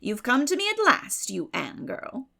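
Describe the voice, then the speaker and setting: A woman's voice: high-pitched, wildly swooping pitch, unhurried, vocal fry, sharp tone, heavily acted. A woman voicing a blunt, teasing, well-to-do old aunt in a dramatic audiobook reading. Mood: pleased, teasing. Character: brisk, blunt, sharp-eyed wealthy old aunt.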